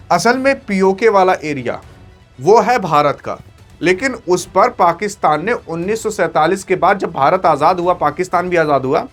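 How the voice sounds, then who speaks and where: A man's voice: sits high, a bit bright. A man hosting an online news video, giving dramatic, emphatic commentary and talking straight to his viewers. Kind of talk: excited news commentary to camera.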